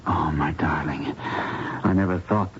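An actor playing an earnest, protective investigator with a wry, grave manner in a 1970s radio drama. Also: male voice, extremely low pitch, slow pace. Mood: tender. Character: earnest protective male investigator doctor in love. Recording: muffled noisy old radio recording.

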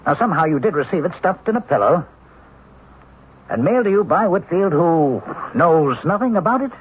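An actor playing a skeptical, excitable police lieutenant in a radio drama. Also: male voice, a little high, fairly quick, husky, phone-quality sound, heavily acted. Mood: incredulous. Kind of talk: old-time radio drama acting. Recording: band-limited, faintly noisy radio recording.

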